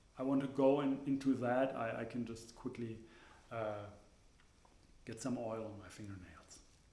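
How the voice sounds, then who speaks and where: There is audible room echo around a man whose voice has a dark, mellow tone. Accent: German. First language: German. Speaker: guitar teacher. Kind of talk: tutorial. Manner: halting.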